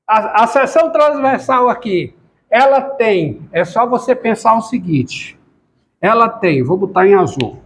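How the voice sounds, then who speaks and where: High-voiced man teaching calculus. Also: sing-song, a little slow. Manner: repeats questions to the class, talks while writing. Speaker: math lecturer. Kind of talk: calculus lecture at a board.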